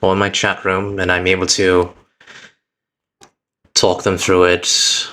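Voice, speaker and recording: A man with a low voice and a bright, forceful edge, talking earnestly to his stream chat. He speaks reflectively, at an uneven pace, sometimes restarting his sentences. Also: completely flat delivery, takes it slowly. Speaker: VTuber streamer. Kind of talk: heartfelt personal speech to stream chat.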